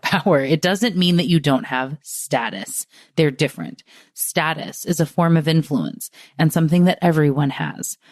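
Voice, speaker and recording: Low-voiced upbeat woman podcast host. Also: a little mellow, no room sound, clean studio sound. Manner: upbeat, encouraging. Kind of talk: podcast hosting and scripted wrap-up.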